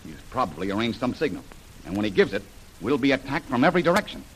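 A man's voice: mid-range voice, big pitch swings, quick pace, slight background noise, natural voice, rough recording. An actor playing a bold, confident male jungle adventurer who takes charge in an old radio serial.

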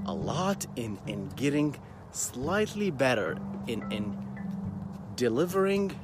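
A slow-talking man, chatting to camera about his work. His low-ish voice swings widely up and down as he restarts and repeats words. Music plays underneath him throughout. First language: Arabic. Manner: halting, repeats words, many fillers. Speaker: software engineer and YouTuber. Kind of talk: casual talk to camera.

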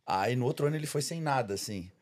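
A Brazilian man, a bodybuilder guest, telling a long story in a casual podcast chat, peppering it with "cara". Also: medium pitch. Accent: Brazilian Portuguese. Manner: fast, animated storytelling full of "cara".

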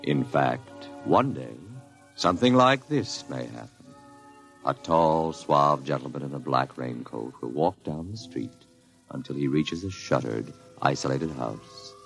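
A man narrating an old radio drama in a slow, dramatic, foreboding way. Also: extremely low pitch, expressive, gravelly, a bit bright, faint music behind. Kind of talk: ominous 1950s radio narration.

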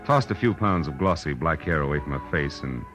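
An actor playing a tired, brusque, wisecracking private detective in a 1940s radio drama. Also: male voice, extremely low pitch, lively intonation, fairly quick. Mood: cool narrating. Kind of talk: 1940s radio drama acting and first-person narration. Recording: old radio recording with music.

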